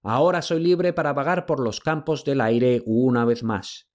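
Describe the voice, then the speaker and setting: A man's voice: mid-range voice, a little mellow, pitched above the performer's own voice, lightly acted. A man voicing a doddering, fawning old male slave who stammers and pants out his words. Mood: bewildered. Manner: breathless, stammering, slow.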